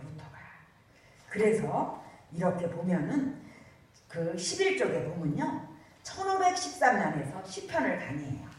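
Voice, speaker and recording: A woman pastor preaching a sermon, telling the story in an animated, storytelling way. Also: medium pitch. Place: church. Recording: echoey church hall from far off.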